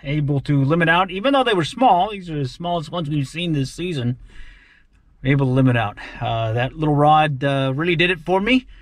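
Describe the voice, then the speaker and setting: Chuckling as he shows off his gear and catches, a fishing vlogger narrates casually from a pier on a park pond. His voice sits on the high side, expressive and fairly quick. The action camera audio has no echo.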